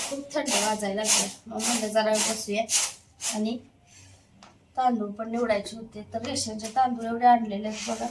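A woman from Maharashtra, India, with a fairly high voice, chatting easily through her daily chores at home. She explains everything as she goes and scatters small fillers through her sentences. A faint hiss of noise sits under her voice. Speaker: home vlogger. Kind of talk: casual vlog narration. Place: at home, in her kitchen and yard.

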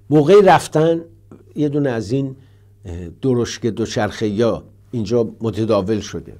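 An older man hosting a call-in talk show, answering callers earnestly and telling stories. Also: medium pitch. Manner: warm, storytelling, earnest.

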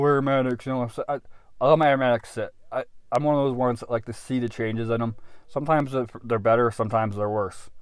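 A man in his thirties giving a casual off-the-cuff product review, halting and unhurried as he thinks aloud, recorded in a car. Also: medium pitch, clean tone, no echo, clean studio sound. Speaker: pipe tobacco reviewer. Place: inside a parked car.

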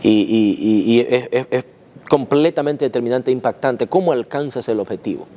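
Mellow halting interviewer. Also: male voice, mid-range voice. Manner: halting, repeats words, admiring. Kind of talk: interview questions. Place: dim church sanctuary. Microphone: lapel.

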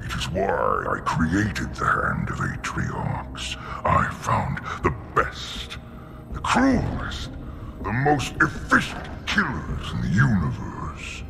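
Monstrously deep alien warlord. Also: male voice, wildly swooping pitch, music in the background, exaggerated voice. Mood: boastful menace. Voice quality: gravelly, guttural. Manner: slow, menacing pronouncements. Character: huge brutish alien warlord, menacing, boastful, commanding. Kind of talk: dramatic video game villain acting.

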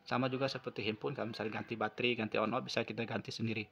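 Male tutorial presenter, lowish voice, repetitive hands-on explaining, muffled recording. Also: flat delivery, very fast, gravelly, a bit bright, slight background noise. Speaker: phone repair tutorial presenter. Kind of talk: unscripted hands-on tutorial narration. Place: at a wooden table indoors.

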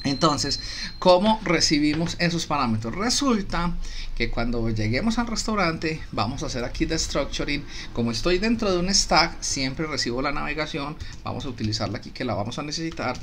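A man's voice: a little high, animated, moderate pace, fairly bright tone, slight background noise. A man with a Colombian Spanish accent teaching a coding lesson over a screen recording, explaining step by step and often repeating and correcting himself. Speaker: programming instructor. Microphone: desktop mic, voice-over on screen capture.

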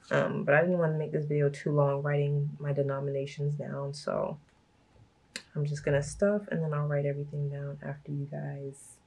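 Low, hoarse woman chatting casually. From Brooklyn, New York. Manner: chatty, laughs often, relaxed asides. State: hoarse from a cold. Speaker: budgeting vlogger. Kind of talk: casual chat while stuffing cash envelopes.

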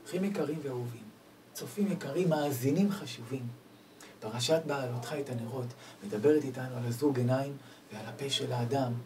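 A man delivering a storytelling sermon as a rabbi, swinging from loud exclamations to hushed asides. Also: medium pitch. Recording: distant mic, faint background noise.

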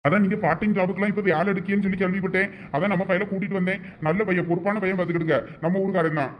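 A man with a Thoothukudi Tamil accent, talking quickly in a high voice, friendly and persuasive. A faint outdoor ambience and light hiss sit behind him. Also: fairly even intonation. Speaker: villager asking a shopkeeper for a job for a youth. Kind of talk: village comedy drama acting.

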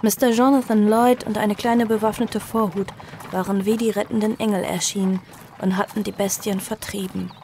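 A woman playing a young survivor who tells her own story in an audio drama, earnest, sorrowful and measured. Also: mid-range voice, fairly even intonation, a little mellow, slight background noise, close to an everyday voice. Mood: measured, wistful. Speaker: narrator and protagonist. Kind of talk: audio drama first-person narration.

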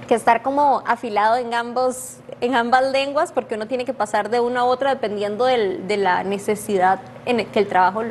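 A young woman with a Costa Rican accent, a sign language interpreter, explaining things clearly as a guest in a studio interview. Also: on the high side, fairly even intonation, a little fast, hardly any pauses, a little hiss or hum. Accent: Costa Rican Spanish. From Costa Rica. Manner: clear, explanatory, laughs easily. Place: dark studio set with armchairs. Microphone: lapel mic.

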